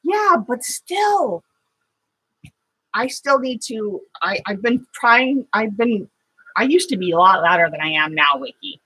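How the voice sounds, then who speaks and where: A middle-aged woman hosting a live watercolor painting stream, chatting with viewers between steps in a loud, halting way full of fillers. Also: mid-range voice, sing-song, husky, rough recording. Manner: loud voice by her own account, halting with fillers and restarts. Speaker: watercolor livestream host.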